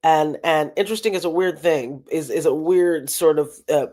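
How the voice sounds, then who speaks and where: A talent manager, a woman, explaining things in a live video-call interview, animated and repeating phrases for emphasis. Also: deep voice, normal speed.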